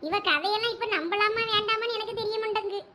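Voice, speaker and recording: Woman playing a shrill furious village mother. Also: fast talker, over a noisy crowd. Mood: complaining. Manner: scolding, shrill threats. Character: furious strict village mother, middle-aged.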